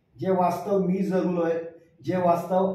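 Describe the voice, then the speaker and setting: This man's high-pitched voice comes with audible room echo. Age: 60s. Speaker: retired government officer, financial education promoter; interviewee. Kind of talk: interview testimony. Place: home room.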